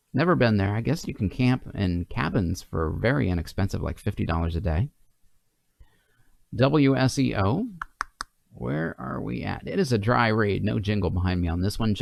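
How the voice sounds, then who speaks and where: Speaking at a moderate pace, a man with a fairly low voice and vocal fry makes very wide pitch swings. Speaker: voiceover announcer practicing live reads. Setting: live stream with viewers. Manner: dry read with no music bed.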